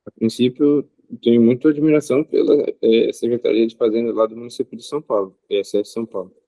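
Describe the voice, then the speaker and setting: A man, an interview guest speaking in a measured way with frequent pauses and filler sounds. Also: medium pitch, fairly even intonation, mellow, no room sound, rough recording. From Rio de Janeiro state, Brazil. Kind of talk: casual interview answers.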